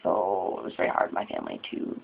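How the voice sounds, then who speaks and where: A 21-year-old trans man talks haltingly in a confessional vlog, his nerves showing in sighs and small laughs. His voice has a gravelly fry. The recording sounds thin and phone-like. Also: low voice, huge pitch swings. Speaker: vlogger.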